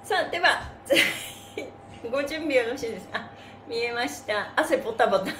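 A middle-aged woman hosting a live stretching lesson, chatting and calling out moves in a bubbly, animated, playfully polite manner. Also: fairly high pitch, normal speed, slight background noise. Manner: bubbly, animated, playfully polite, addressing body parts and objects with honorifics. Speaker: stretching class host and mime teacher. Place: small room with mat on the floor, indoors. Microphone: phone or camera a metre or two away. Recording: roomy, echoey live-stream sound. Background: music.

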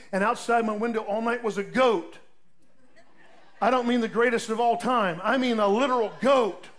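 An older pastor delivers a sermon in a homespun, storytelling manner, his voice sitting high as it swings from loud, emphatic peaks down to soft asides.

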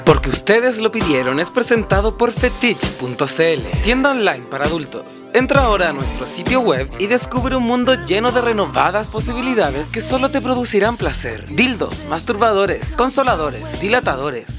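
A male announcer reading a scripted advertisement in a smooth promotional tone. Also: sits high. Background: music.

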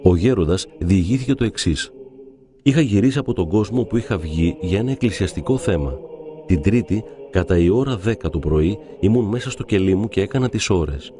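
A man narrating devout stories in a calm, measured reading. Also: low voice, music in the background. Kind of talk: reverent scripted reading of saints' stories.

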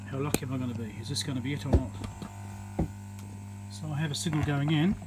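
A man's voice: mid-range voice, steady tone, fast talker, very noisy. A man giving casual commentary as he repairs electronics, thinking aloud as he works at a workbench. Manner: muttering, thinking aloud while working.

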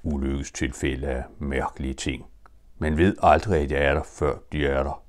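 An older man voicing a gloomy old donkey in a children's storybook, slow and mournful. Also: extremely low pitch, fairly even intonation, pitched below the performer's own voice.

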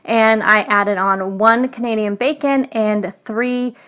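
A woman's voice: fairly high pitch, steady tone, takes it slowly, a bit bright. Woman vlogger, casual meal-prep voice-over, chatty, loose, some ums. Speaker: food vlogger. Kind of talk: casual voice-over narration of cooking.

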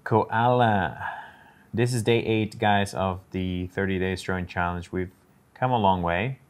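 A man's voice: low-pitched, moderate pace, smooth. A man casually narrating his drawing steps on a live stream, talking through each step and greeting viewers in chat.

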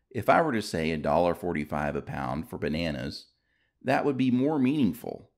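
A man reading scripted instructional narration as a tutorial narrator, in a measured, explanatory way with careful enunciation. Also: sits low.

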